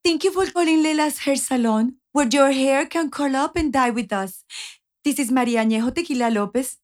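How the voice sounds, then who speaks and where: A woman playing an excitable, brash Latina hair salon receptionist in a comic audio drama, speaking Spanish-accented English peppered with Spanish exclamations. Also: high-pitched, normal speed, natural voice. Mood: brisk, exasperated.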